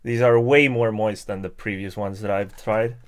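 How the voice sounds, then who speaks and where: A man from Sweden, chatting casually and haltingly on his live stream, chuckling between many fillers. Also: lowish voice, fairly even intonation. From Stockholm, Sweden. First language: Swedish. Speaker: YouTuber hosting a live stream. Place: home setup at a table.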